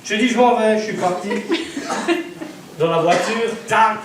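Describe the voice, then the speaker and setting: A high-voiced male evangelist preaches to his congregation, telling his story with laughter and acted-out voices. He sounds far from the microphone in a very echoey church hall, with faint noise behind him. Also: measured pace. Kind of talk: sermon with personal testimony.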